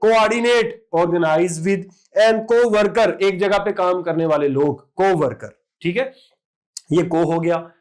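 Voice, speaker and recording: High-voiced lively male teacher. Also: slow. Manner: lively, emphatic word-drilling with repeated "ठीक है". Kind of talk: exam prep vocabulary lecture.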